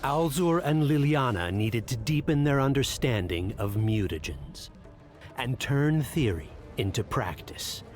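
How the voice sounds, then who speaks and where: A man narrating a dark fantasy game tale as a grave storyteller, in a solemn, dramatic, measured manner. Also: mid-range voice, expressive, soft background music, close to an everyday voice.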